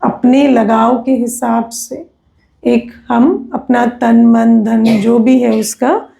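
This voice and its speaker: A woman gives a spiritual discourse at an unhurried pace and keeps checking in with her listeners through tag questions. Her voice sits fairly high yet sounds mellow, with a heavy gravelly fry. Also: fairly even intonation. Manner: conversational, tag questions, personal anecdotes. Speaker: spiritual teacher.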